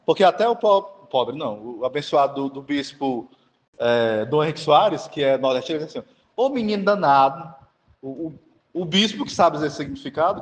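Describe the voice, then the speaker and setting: A man from Northeast Brazil with a Cearense accent, preaching an informal teaching sermon and often asking the listeners whether they understand. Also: a little high. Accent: Cearense Portuguese. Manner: chatty, keeps asking the audience if they understand. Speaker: Catholic preacher. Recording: long hall reverb.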